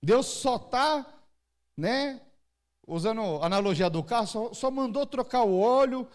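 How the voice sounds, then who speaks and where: A man's voice: very high-pitched, expressive, measured pace. A man from Brazil with a São Paulo-area Brazilian Portuguese accent, preaching a church sermon and acting out crying babies and parents. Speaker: pastor. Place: church service.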